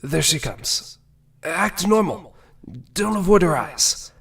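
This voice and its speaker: A man playing an awkward, self-doubting young prince musing to himself in a fan audio drama, with a husky voice. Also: high-pitched, animated, slow, fairly bright tone, distant mic, full character voice. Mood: flustered. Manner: casual, introspective musing.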